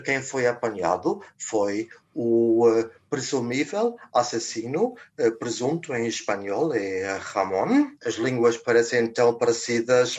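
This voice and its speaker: An older man, a journalist guest in a radio interview, who talks deliberately and pauses often to search for words. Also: medium pitch. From Germany. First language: German.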